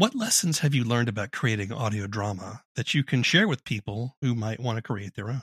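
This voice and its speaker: This man has an unremarkable speaking voice at a medium pitch, talking at a fairly quick pace with hardly any pauses and ordinary pitch variation, in a very clean, dry, close recording with no echo and a silent background. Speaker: podcast host and writer. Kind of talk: interview.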